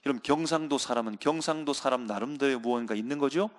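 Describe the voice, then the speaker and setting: A male pastor preaches a sermon earnestly, often calling out to the congregation and slowing down for emphasis. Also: mid-range voice.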